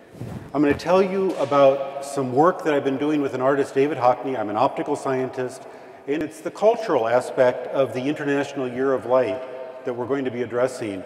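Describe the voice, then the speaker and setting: The speaker has an American accent and barely pauses at all. Noticeable background noise is present. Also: man, fairly high pitch for a man, ordinary pitch variation, moderate pace. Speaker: optical scientist and professor. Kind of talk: lecture.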